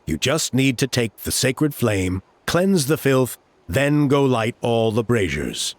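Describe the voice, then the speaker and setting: A man's voice: medium pitch, big pitch swings, takes it slowly, slight background noise. A man voicing a composed tribal guide in a video game, patiently explaining the steps of a sacred rite. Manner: patient, explanatory, with a wry chuckle. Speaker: ceremony guide.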